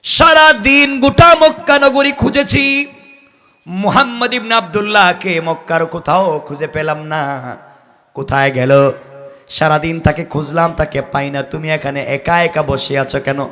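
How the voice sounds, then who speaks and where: High-pitched male preacher, bright and forceful. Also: fairly even intonation, a little slow. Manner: exclamatory, calls on listeners to respond and pay attention. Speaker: Islamic preacher. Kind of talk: impassioned sermon with dramatic storytelling and melodic scripture recitation.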